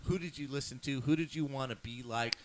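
A man's voice: medium pitch, fairly quick, background noise. A man hosting a casual interview, affirming his guest often and stammering with repeated words. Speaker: interview host.

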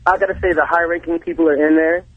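Slangy male phone-in caller, lightly husky, thin phone-line sound. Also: fairly high pitch, level tone, fast, no echo. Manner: laid-back, slangy. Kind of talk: phone-in chat.

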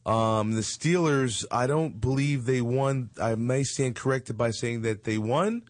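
A show host in his forties talks at an unhurried pace in a medium-pitched voice, with no echo. His casual chat show banter is loose and rambling, full of jokes, fillers and laughter.

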